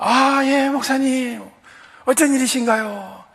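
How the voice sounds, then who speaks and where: His pitch is pushed extremely high in a put-on character voice. The man delivers his lines fairly slowly. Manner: suddenly warm, polite, eager.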